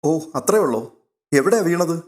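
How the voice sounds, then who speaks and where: A man voicing a caring, eager young woman in an audio story, asking quick concerned questions. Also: on the high side, expressive, pitched above the performer's own voice, close to an everyday voice.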